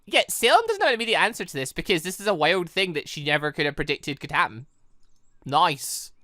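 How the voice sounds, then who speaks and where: A man's voice: on the high side, sing-song, brisk, pushed and bright, no room sound, clean studio sound. A man doing let's play commentary, rambling and thinking aloud as he goes. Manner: rambling, thinking aloud, stumbling over read lines. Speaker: gaming channel host.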